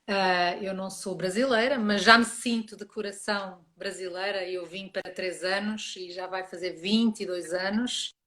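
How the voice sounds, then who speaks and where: A woman from Portugal with a light European Portuguese accent, introducing herself as a guest coach in a friendly, relaxed way. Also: medium pitch, normal speed, hardly any pauses. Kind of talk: casual interview talk.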